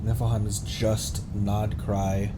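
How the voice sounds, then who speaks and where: A man streaming a video game, giving commentary and reading in-game text aloud, sometimes halting and repeating words as he goes. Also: on the low side, flat delivery, very noisy. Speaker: streamer, host of a gaming livestream. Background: game music.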